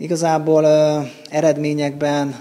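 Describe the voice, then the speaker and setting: This is a man talking. His pitch is fairly high. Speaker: football club manager. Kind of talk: interview.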